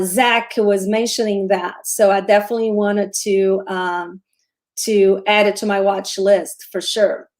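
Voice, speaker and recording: A woman with a Brazilian accent talks stocks on a casual live show. She speaks at a middling pitch, chatty and loose, often restarting her sentences as she answers viewers' questions. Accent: Brazilian Portuguese. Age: 40s. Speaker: show host, trader. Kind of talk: livestream stock commentary.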